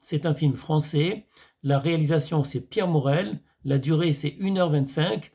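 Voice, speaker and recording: A French-accented man talks casually to his camera, his voice hoarse and gravelly. He sits a bit high for a man and wanders through his points with fillers, restarts and asides. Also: a little slow, dark tone. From France. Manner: rambling, many fillers and restarts. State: hoarse, voice tiring. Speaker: YouTube vlogger reviewing films.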